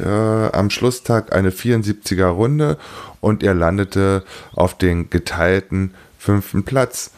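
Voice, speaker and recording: A man's voice: on the low side, a little mellow. A man hosting a podcast, talking casually on his own and thinking aloud a little hesitantly. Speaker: podcast host. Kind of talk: casual solo podcast talk.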